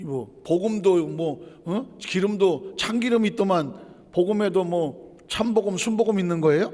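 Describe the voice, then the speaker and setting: Male pastor, high-pitched, chatty sermon delivery built on rhetorical questions, recorded in a church with lingering reverb. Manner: conversational preaching with rhetorical questions. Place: church sanctuary. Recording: church sanctuary with long reverb.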